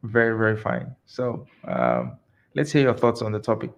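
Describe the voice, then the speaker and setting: A man from Nigeria moderates an online conversation and keeps his turns brief and relaxed. His voice has a gravelly, fried edge. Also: on the low side, moderate pace, dull audio. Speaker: host. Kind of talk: moderating a group discussion.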